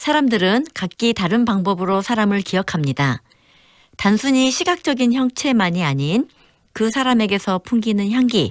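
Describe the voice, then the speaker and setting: A woman's voice moves in very wide pitch swings. The sound is dry and close with no echo, on a very clean recording with a silent background. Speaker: dental hospital director and dentist. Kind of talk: radio column commentary.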